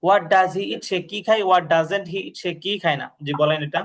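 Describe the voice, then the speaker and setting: A man tutoring English grammar, patiently repeating drills and checking that the student understands. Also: high voice. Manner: reads English sentences slowly, then gives the translation. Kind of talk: explaining grammar in a lesson.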